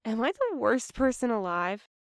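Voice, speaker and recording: A woman playing an anxious, apologetic young postal worker in a fiction podcast, earnest and halting in her delivery. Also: on the high side, sing-song, clear, resonant tone, dry recording, clean studio sound. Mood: guilty, hesitant. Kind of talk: fiction podcast audio drama acting.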